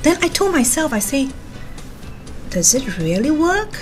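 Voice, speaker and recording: A woman's voice: high-pitched, very animated, a little slow. Chatty woman telling her story. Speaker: guest. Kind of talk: personal story in a studio interview. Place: web radio studio. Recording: music playing under the voice.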